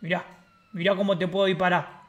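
A man's voice: high-pitched, little pitch movement, brisk, a bit bright. A man with an Argentine accent, streaming in-character game role-play with brash, mocking street talk. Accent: Argentine Spanish.

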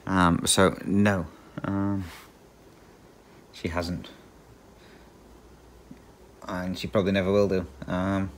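A man's voice: low voice, flat delivery, slow pace, long pauses, a little hiss or hum. A middle-aged Englishman with a slight Australian twang, chatting casually and rambling while he cross-stitches, with frequent ums and chuckles. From England. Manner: rambling, chuckles often, many ums and restarts.

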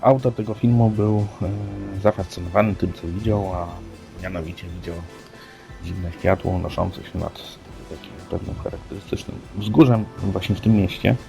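A man co-hosting a podcast, presenting news reports conversationally with a halting, hesitant delivery. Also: low voice, fairly even intonation, creaky. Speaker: podcast co-host. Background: background music.

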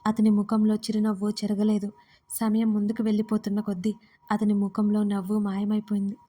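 A woman narrating a romance story in an even, steady reading style. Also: medium pitch, fairly quick.

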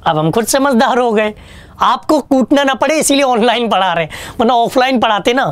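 A man's voice: extremely high pitch, expressive, brisk, fairly bright tone, dry recording. A man teaching an online exam-prep English lesson, chatty and joking, asking questions and answering them himself. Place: online class studio with a whiteboard.

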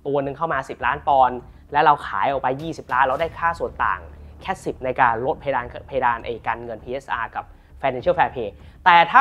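A man from Thailand giving a casual, animated football talk to camera as a commentator, chatty and joking. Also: medium pitch. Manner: chatty and animated, jokes about the club, playful asides on pronunciation.

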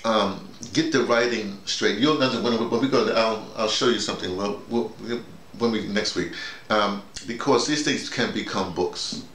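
An older man with an American accent talking informally, explaining in a digressive way and often acting out quoted remarks. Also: medium pitch. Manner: digressive, self-quoting, animated storytelling. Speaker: theater director and workshop leader. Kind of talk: informal debrief, rambling explanation. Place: small bedroom, indoors. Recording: echoey room with faint noise.

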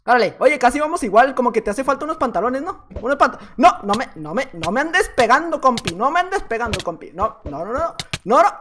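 A man's voice: extremely high pitch, very animated, a little fast, few pauses, bright, forceful tone, a little hiss or hum. A man with a Mexican accent giving playful, joking gameplay commentary as a youtuber, laughing often. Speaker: youtuber gamer.

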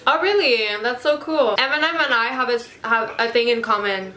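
A woman in her twenties from Canada, chatting casually with strangers on video calls and teasing them with deadpan jokes. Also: on the high side, brisk, reverberant. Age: 20s. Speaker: host. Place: bedroom.

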